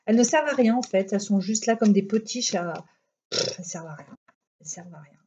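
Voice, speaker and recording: A woman's voice: medium pitch, quick pace, warm tone, a little hiss or hum. A woman with a Belgian French accent doing a casual card reading, chatty and rambling with many fillers, just recovering from illness. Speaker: tarot card reader. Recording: dull lo-fi home recording.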